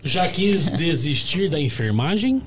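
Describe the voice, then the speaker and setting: A Brazilian man co-hosting a casual chat show, cracking quick jokes and reading out questions to the guest. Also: fairly high pitch, sing-song. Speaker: co-host.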